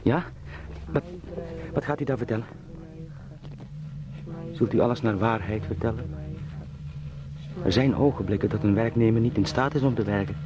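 A low male voice , an actor's, gives us an anxious salesman turned into a beetle. He pleads haltingly and politely, eager to please, in a radio play with clear background noise. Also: lightly acted. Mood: pleading. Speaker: travelling salesman. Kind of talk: radio drama acting.

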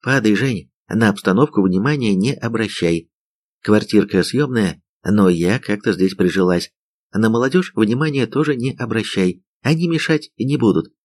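A man's voice: fairly low pitch, moderate pace, darkish tone, close to an everyday voice. A man voicing a brash, teasing young woman army commander in an audiobook. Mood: teasing bossy. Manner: teasing, bossy.

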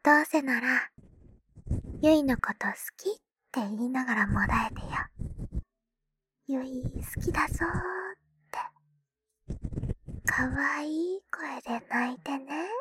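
A woman's voice: high-pitched, a little slow, pauses often, a bit bright, slight background noise. A woman voicing a playful, doting schoolgirl little sister who teases her older brother in close, whispered ASMR roleplay. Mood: teasing. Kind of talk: ASMR roleplay with ear cleaning.

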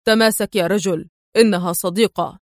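A woman voicing a stern, sharp-witted Arab agent man who talks in a curt, firm way. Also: high voice, fairly quick, dry recording, studio quality.

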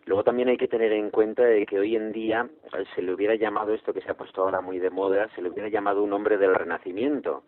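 A man's voice: lowish voice, level tone, fast talker, hardly any pauses. Man, hesitant, over a tinny phone line. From Spain. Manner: hesitant, many filler sounds, earnest. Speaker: actor interviewed as guest. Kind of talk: phone interview.

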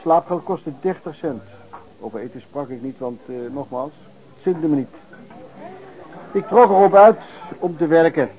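An actor playing a rough, hard-drinking vagrant pedlar who reminisces in colloquial, old-fashioned, hesitant anecdotes in a Dutch radio play. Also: male voice, a little high, moderate pace, pauses often, natural voice. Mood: reflective. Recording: dull, lo-fi radio play recording.

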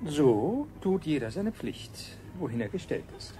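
An actor playing a thoughtful, dutiful member of a colony's ruling caste in a radio play, deliberate and lecturing. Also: male voice, on the high side, very animated. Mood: musing. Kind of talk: 1970s German radio play acting. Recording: music behind the voice.

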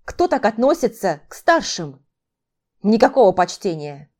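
A woman's voice: mid-range voice, normal speed, mellow, close to an everyday voice. A woman voicing a male demon mentor who whines, pleads and plays to an imagined crowd in an audiobook. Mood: whining. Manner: whining, pleading, theatrical. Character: whiny theatrical male demon mentor, ageless.

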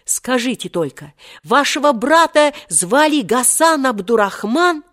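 A woman's voice: sits high, lively intonation, a little slow, fairly bright tone, pitched above the performer's own voice. Woman doing an urgent young schoolboy. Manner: urgent, pleading questions. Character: eager, resourceful young schoolboy.

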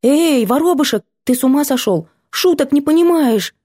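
A cheeky, bookish girl student with a raised, chirpy voice, quick to tease and to protest, as a woman reading an audiobook puts her on. The sound is dry and close, with a mellow tone. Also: sits high, lively intonation, dry recording, voice pushed up. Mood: indignant. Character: bookish stubborn cheeky young female student. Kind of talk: audiobook character voice.

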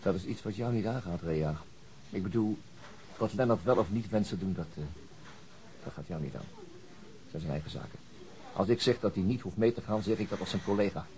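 An actor playing a weary, middle-aged chief inspector in a radio drama, gruff and dry, with hesitant, understated speech. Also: male voice, deep voice, a little fast, long pauses, darkish tone, close to an everyday voice, poor audio. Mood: curt, firm. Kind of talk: naturalistic radio drama acting.

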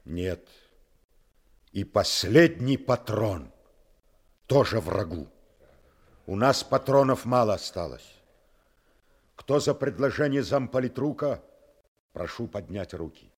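Soviet army commander, lowish voice, wide-ranging intonation, authoritative, deliberate, radio war drama. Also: male voice, lively intonation, husky, exaggerated voice. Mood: grim resolve. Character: army major, stern steadfast commander and father.

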